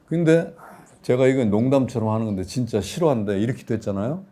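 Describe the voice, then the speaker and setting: A man in his sixties, a professor being interviewed, telling lively anecdotes and acting out quotes with laughter. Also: mid-range voice, fast. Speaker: professor guest. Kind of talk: conversational interview storytelling.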